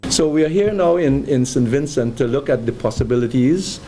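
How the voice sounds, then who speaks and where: A man, from Guyana, speaking off the cuff to the press with halting phrasing and frequent restarts. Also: mid-range voice, lively intonation, warm tone, a little hiss or hum. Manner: halting, with many restarts and fillers. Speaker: entrepreneur at a media conference. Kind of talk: unscripted remarks to press.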